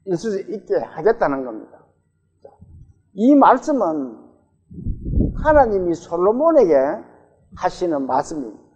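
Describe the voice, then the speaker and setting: A man's voice: high voice, sing-song, unhurried, long pauses, a little mellow, husky. A male pastor preaching a sermon in a church, talking with the congregation and putting questions to them. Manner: conversational, asks the congregation questions. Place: church sanctuary. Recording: dull, reverberant church recording.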